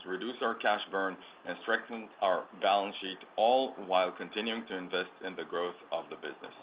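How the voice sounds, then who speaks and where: Low-voiced man reading a financial report. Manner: formal, reading prepared remarks. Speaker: company finance executive. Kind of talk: scripted financial report on earnings call. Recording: dull conference call, clear background noise.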